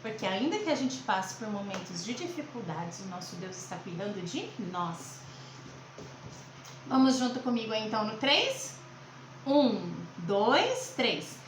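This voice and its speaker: A woman's voice: medium pitch, sing-song, moderate pace. A Brazilian woman around forty hosts a children's Christian lesson, explaining things simply to young listeners. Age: late 30s to 40s. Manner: simple explanations with frequent check-in questions. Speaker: host of a children's Christian education channel. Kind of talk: speaking to young children, teaching. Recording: roomy echo, faint background noise.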